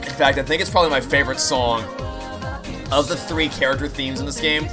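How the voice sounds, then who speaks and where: A man's voice: medium pitch, fairly even intonation, fairly quick, over music. A man giving casual, rambling playthrough commentary as he chats to viewers, often repeating and restarting his phrases. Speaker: video game streamer and host. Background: video game song playing behind the voice.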